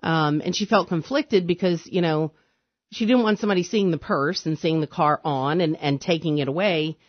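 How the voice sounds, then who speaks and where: A man hosting a radio call-in show, talking in a smooth, easy host manner and agreeing along with his guest. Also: a little high, no echo. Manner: smooth, conversational, quick to agree. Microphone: studio microphone. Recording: dull, dry radio studio sound.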